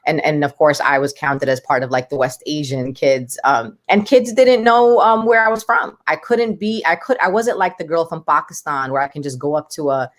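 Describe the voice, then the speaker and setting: New lady talking passionate and emphatic in an interview, pretty low voice. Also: normal speed, few pauses. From United States. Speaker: guest. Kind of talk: podcast interview.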